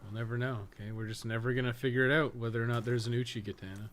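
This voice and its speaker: A man's voice: medium pitch, steady tone, very fast, a bit bright, a little hiss or hum. A man giving casual live video game commentary as a streamer, with a wry, offhand, sarcastic way of talking.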